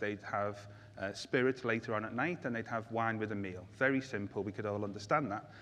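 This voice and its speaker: Speaking fairly quickly, a man talks in a British accent. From England. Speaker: market research executive. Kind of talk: conference presentation. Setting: stage with audience. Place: stage. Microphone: lapel.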